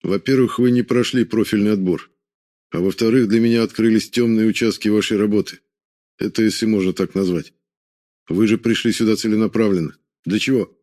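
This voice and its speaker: A man's voice: lowish voice, fairly even intonation, fairly quick, warm tone, close to an everyday voice. A man voicing an inquisitive foreign army major who questions his prisoner closely. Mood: pressing. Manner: probing, questioning.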